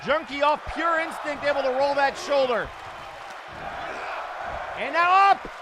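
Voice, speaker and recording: A man doing dramatic, excitable play-by-play as a wrestling commentator, with a crowd behind him. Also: very high-pitched, a little slow. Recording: loud crowd noise behind voice.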